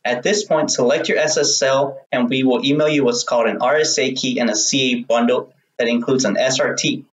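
A man's voice: mid-range voice, fairly even intonation, a little fast, far from the mic. A man in his thirties giving a scripted step-by-step tutorial as a technical support expert, recorded in an echoey room away from the microphone. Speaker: web hosting support expert. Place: small indoor room.

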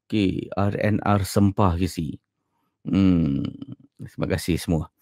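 A man's voice: deep voice, slow, darkish tone, dry recording, clean studio sound. A Malaysian man hosting a casual livestream, speaking with a slight slurred lisp from a sore, ulcerated tongue. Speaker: podcast and livestream host. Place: at home.

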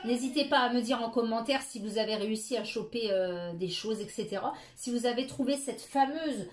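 A woman's voice: fairly high pitch, fairly quick. Middle-aged woman, casual haul vlogger, chatty with many hesitations, echoey room. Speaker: beauty vlogger.

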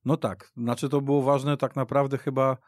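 A man's voice: medium pitch, flat delivery, normal speed, darkish tone, no echo, studio quality. Middle-aged man rambling about football. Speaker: football podcast guest. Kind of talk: casual football discussion, reminiscing. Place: radio studio.

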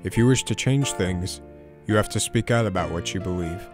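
A man's voice: low-pitched, normal speed. A young man narrating scripted radio commercials and announcements as an announcer. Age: young adult. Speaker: media student and radio announcer. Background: music.

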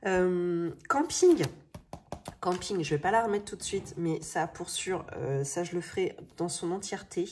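A woman in her thirties with a French accent chats casually, thinking aloud in colloquial speech with a slightly rough morning voice. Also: on the low side, moderate pace, few pauses, a little mellow. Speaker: budgeting video host. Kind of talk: casual chatty vlog narration. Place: indoors at a table. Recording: noisy home recording with clicks.

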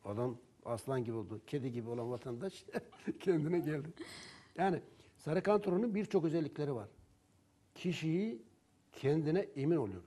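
Dark, husky man telling customer stories. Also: fairly high pitch, animated, moderate pace. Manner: storytelling, acting out dialogue with customers. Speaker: herbal remedy seller. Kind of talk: anecdotal talk about herbal remedies.

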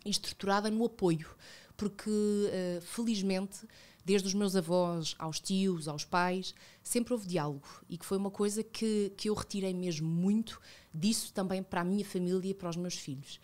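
A woman in her thirties with a European Portuguese accent, talking reflectively as a podcast guest, with many fillers and self-corrections, close on a studio boom mic. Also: moderate pace, darkish tone. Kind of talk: casual conversational interview. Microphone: studio boom mic with headphones.

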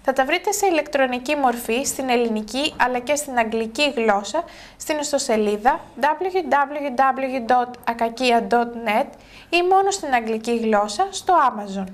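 Female host reading a book aloud, calm and measured, with a fairly high voice.

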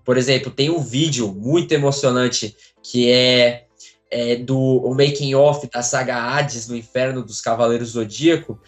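A man's voice: mid-range voice, fairly even intonation, a little slow, faint music behind. A Brazilian man in his twenties talking casually as an interview guest on a video call, telling things with frequent tag questions. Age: 20s. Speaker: interview guest, aspiring voice actor. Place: small room at home, on a video call. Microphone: phone or device mic at some distance, video call.

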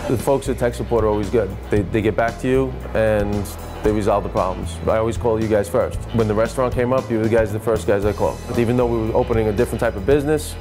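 A man in his forties speaks plainly and calmly about his business, his voice sitting fairly low. Music plays under him the whole time. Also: quick pace, hardly any pauses. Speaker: co-owner of a market and restaurant. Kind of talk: casual testimonial interview. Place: restaurant dining room, indoors.

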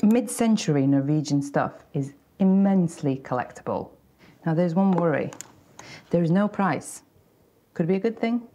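A woman in her forties, an antiques expert presenting to camera with animated, theatrical storytelling inside a large shop. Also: lowish voice, moderate pace, slight background noise.

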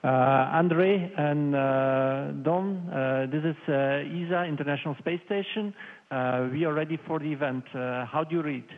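A man hosting a live radio link, halting and filler-heavy, heard through a tinny radio communicator. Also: a little high. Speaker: ground host linking with the station. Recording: phone-like radio line with long echo.

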